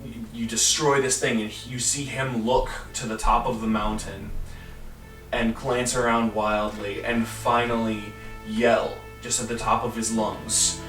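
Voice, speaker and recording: Bright-voiced male game master, echoey room. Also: mid-range voice, level tone. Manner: halting, searching for words. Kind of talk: improvised tabletop game narration. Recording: echoey room, distant mic, background music.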